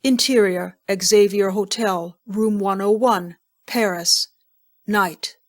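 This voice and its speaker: A woman's voice: mid-range voice, fairly even intonation, slow. Woman narrating an audio drama.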